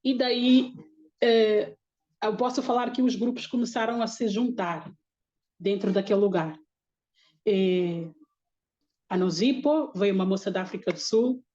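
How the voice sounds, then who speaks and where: A woman's voice: medium pitch, measured pace, long pauses, mellow, muffled recording. A woman missionary telling her faith testimony in an earnest, emotional way. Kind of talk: religious testimony.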